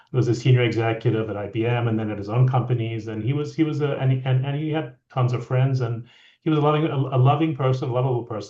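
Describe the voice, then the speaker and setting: A middle-aged man from France, a guest leadership coach, talking in a reflective, halting way with many restarts. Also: mid-range voice, mellow. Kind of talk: conversational interview. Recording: echoey, dull lo-fi audio.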